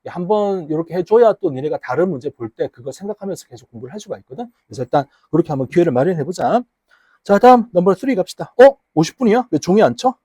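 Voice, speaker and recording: A man from the Gyeongsang region teaches English to a class, joking and teasing his students as he goes. His voice is husky and a little high, and his pitch swings widely. The sound is dry and close, picked up on a wearable mic in a classroom. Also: animated, fast talker, dark tone, dry recording. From Gyeongsang region, Korea. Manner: teasing, chatty, banters with students. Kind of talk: casual classroom lecture.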